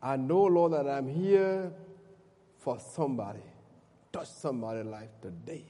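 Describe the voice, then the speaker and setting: A man from Liberia with a Liberian accent, a pastor praying and giving his testimony, speaking slowly and deliberately. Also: medium pitch, mellow. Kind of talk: prayer and testimony sermon. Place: church service. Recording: echoey church hall.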